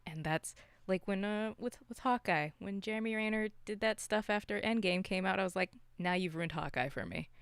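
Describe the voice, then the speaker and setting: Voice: mid-range voice, moderate pace, hardly any pauses, a bit bright, clear, resonant tone, no room sound. A podcast co-host from Canada chatting casually about movies in an opinionated, slangy way.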